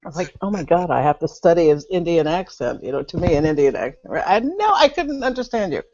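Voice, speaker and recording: A woman's voice: lowish voice, big pitch swings, fast, a little mellow. A woman at a spiritual gathering, sharing her experience over a video call, often laughing and sighing as she tells her story. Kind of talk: candid personal sharing. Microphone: remote video call. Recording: dull, lo-fi video call audio.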